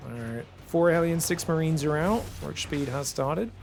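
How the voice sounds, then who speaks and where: Young male game caster, high creaky voice, informal and animated, music behind. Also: normal speed. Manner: animated, informal, addresses viewers as guys. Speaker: esports commentator. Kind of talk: casual live game commentary.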